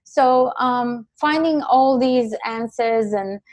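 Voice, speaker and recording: A woman's voice: on the high side, slow, a little mellow, no echo. A young adult woman from Turkey, talking hesitantly as a guest in a casual interview, with many ums and restarts.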